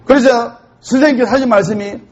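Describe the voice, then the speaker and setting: A male Buddhist monk giving a humorous sermon, telling jokes and stories in an animated way. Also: extremely high pitch, fast. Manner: joke-telling, animated storytelling. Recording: dull lo-fi recording.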